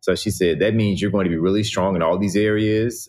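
A man with an American accent is speaking. He goes at a very fast pace. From Texas. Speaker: team member. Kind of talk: casual panel conversation.

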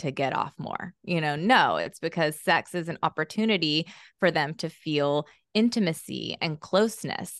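Her voice an unremarkable speaking voice, a woman with an American accent talks at a fairly low pitch with ordinary variation, the sound dry and close with no echo. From US South, Southeast Tennessee. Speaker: sex therapist. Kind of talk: interview.

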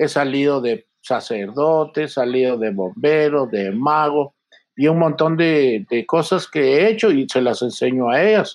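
A man's fairly high voice at a very slow pace, with very even loudness. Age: 60s. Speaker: retiree, grandfather. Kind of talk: casual interview. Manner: halting.

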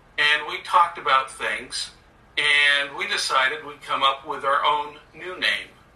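A man at a fairly high pitch and fairly slow pace, with noticeable background noise. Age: 60s. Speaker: retired software engineer and author. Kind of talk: interview.

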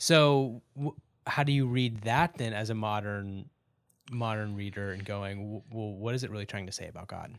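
Moderately paced with ordinary pitch variation, the speaker has an American accent on a very clean recording with a silent background. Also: man, fairly low pitch for a man. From US Deep South. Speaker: podcast host. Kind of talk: casual interview chat.

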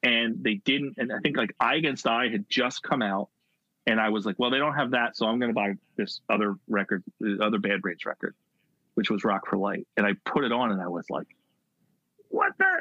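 An ordinary speaking voice from a man with an American accent, medium in pitch with ordinary pitch variation and a fairly quick pace. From US Northeast, Philadelphia suburbs. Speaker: graphic designer. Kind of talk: casual interview chat.

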